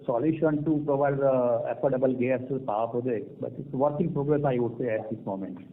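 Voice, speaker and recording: Indian man, corporate executive on earnings call, hesitant measured delivery, narrow telephone sound. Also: medium pitch. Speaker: company executive answering analysts. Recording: tinny narrow-band conference phone line.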